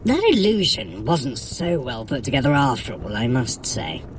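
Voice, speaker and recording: A woman's voice: very deep voice, very animated, normal speed, background noise. A woman playing a sly, haughty trickster deity in an audio adventure workout, with an arch, droll, condescending delivery. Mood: arch, commanding. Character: sly, haughty trickster deity guiding a mortal through a heist. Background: music.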